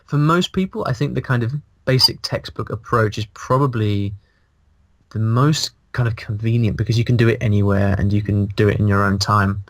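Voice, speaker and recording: A man in his thirties, a native English speaker and language blogger, is a guest in a casual interview over a video call from a small indoor room. His lowish voice moves at a moderate pace, animated and casual, and he restarts sentences as he thinks aloud. He uses earphones with a mic in front, and there's no room sound.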